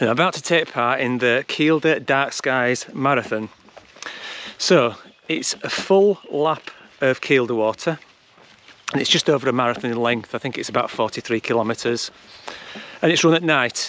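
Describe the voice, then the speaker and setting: At a moderate pace with ordinary pitch variation, the speaker leaves long, frequent pauses, and the sound is dry with no echo. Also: man. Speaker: runner vlogger. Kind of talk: casual vlog chat. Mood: cheerful, relaxed.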